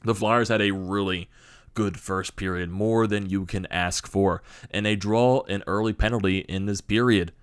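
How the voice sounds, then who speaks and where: Young man with a smooth, slightly strained voice. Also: deep voice, dry recording, clean studio sound. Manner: energetic, rambling, digressive. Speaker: sports channel host. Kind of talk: solo hockey recap talk.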